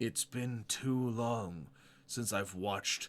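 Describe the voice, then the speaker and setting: A man puts on a booming, resonant character voice at a medium pitch. He speaks at a very slow pace. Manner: menacing, amused, imperious.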